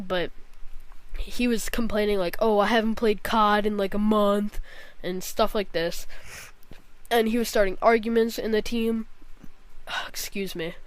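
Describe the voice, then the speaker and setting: A woman's voice: medium pitch, smooth, no room sound. A young woman gaming vlogger telling a long story casually, rambling with lots of fillers and swearing bluntly.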